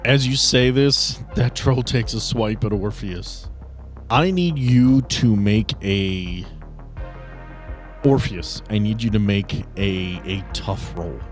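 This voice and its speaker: A man's voice: lowish voice, takes it slowly, soft background music. A man acting as game master, narrating and making rulings in a casual, conversational style.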